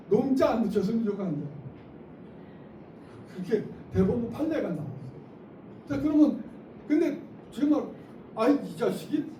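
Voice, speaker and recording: Lively man lecturing in an echoey hall. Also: very high voice, slow pace, pauses often. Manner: lively, acts out classroom lines, laughs often. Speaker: teacher trainer. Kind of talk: lecture to teachers. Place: school auditorium. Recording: echoey hall, mic from far off, noisy.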